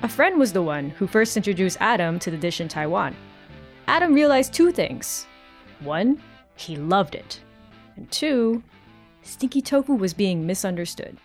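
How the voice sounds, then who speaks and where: A Canadian woman reporter chats playfully on a podcast and also reads scripted narration, an animated, playful storyteller. Her voice is mid-range at a measured pace, with faint music behind.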